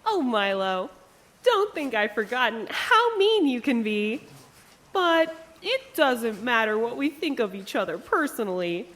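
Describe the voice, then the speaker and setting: A woman's voice: a little high, sing-song, unhurried, a bit bright. A woman playing a sly cult acolyte in an audio drama, theatrical and condescending with a mock-sweet manner. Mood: smug, taunting. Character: sly, syrupy female cult acolyte, falsely devoted.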